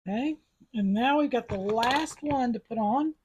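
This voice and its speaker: A woman's voice: a little high, moderate pace, darkish tone, a little hiss or hum. A woman giving chatty, step-by-step instructions in a casual jewelry-making tutorial. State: sucking a mint after coughing.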